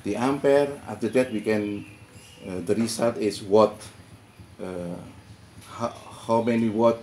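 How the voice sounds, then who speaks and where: A man's voice: on the low side, takes it slowly, a little mellow, a little hiss or hum. An older Indonesian man with Indonesian as his first language, giving a hesitant tour of his lab projects in English, full of fillers and restarts. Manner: hesitant, many fillers and repeated words. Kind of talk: halting presentation in second-language English. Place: garden workshop, indoors and outdoors. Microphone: handheld camera close by. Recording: echoey with clear background ambience.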